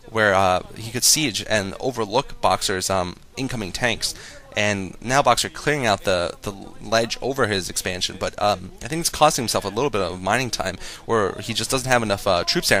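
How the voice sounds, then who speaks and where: Guy casting a strategy game, lowish voice but bright n sharp, explains the tactics as it goes. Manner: analytical, explains tactics as play unfolds. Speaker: esports commentator. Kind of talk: live play-by-play game commentary.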